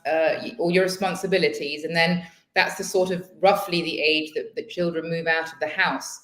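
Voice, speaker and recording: A woman's voice: lowish voice, reverberant. A woman from Switzerland in her fifties with a British-schooled English accent, a podcast guest who talks in a hesitant, reflective way with many restarts. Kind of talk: casual podcast conversation.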